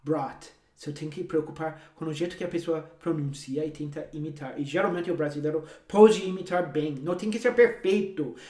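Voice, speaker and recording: A man's voice: fairly high pitch, moderate pace, hardly any pauses, darkish tone. A man whose first language is English, teaching a language lesson straight to the viewer in an emphatic, repetitive, coaxing way. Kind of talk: direct-to-camera language lesson. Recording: roomy echo.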